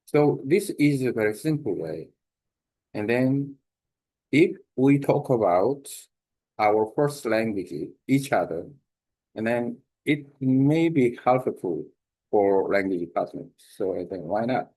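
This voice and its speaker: A man with a Korean accent, a native Korean speaker, giving an informal spoken lesson on language learning, halting with many fillers and restarts. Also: mid-range voice, lively intonation, warm tone, low-quality recording. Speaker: language exchange host.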